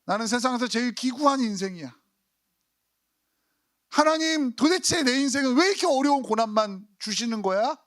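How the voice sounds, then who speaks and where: A male pastor voicing a churchwoman who complains melodramatically about her hard life, in a high, lively voice. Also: moderate pace, natural voice. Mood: self-pitying. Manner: whiny, melodramatic lament. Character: self-pitying complaining church deaconess.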